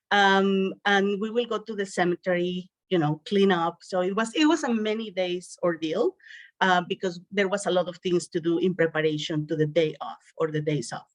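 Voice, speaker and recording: A woman's voice: lowish voice, fairly quick, no room sound. Mexican-accented woman, dry close sound. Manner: chatty, frequent um and uh fillers. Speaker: guest. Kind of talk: casual interview storytelling.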